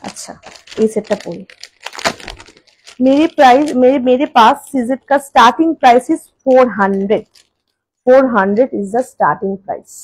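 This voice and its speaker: A woman selling jewellery on a live stream. She says each price slowly and more than once, and chats quickly in between. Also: fairly high pitch, slightly rough, low-quality recording. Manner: repeats prices slowly, then chats fast in bursts. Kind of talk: live-stream sales talk. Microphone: phone camera.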